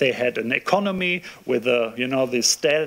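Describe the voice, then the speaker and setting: A man with a German accent, ordinary pitch variation, and noticeable background noise. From Germany. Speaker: professor, sociologist. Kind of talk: lecture. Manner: halting, many fillers.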